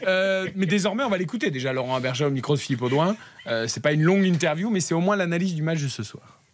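A man's voice: fairly high pitch, animated, slight background noise. A man hosting a sports radio show, keeping the banter moving and teasing his panel. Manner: quick, teasing, steers the talk. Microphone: studio microphone.

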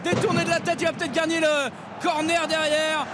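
A man giving excited sports commentary on a football match, exclaiming and repeating phrases as play builds. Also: very high-pitched, brisk, heavy background noise. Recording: radio broadcast over loud stadium crowd, music. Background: roaring stadium crowd.

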